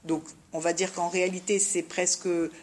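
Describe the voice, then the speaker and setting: A woman's voice: on the low side, flat delivery, normal speed. A woman giving an informal Jewish religious lesson to women, didactic, mixing Hebrew terms into her French and often checking that listeners follow. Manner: didactic, frequent check-in questions. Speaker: religious teacher.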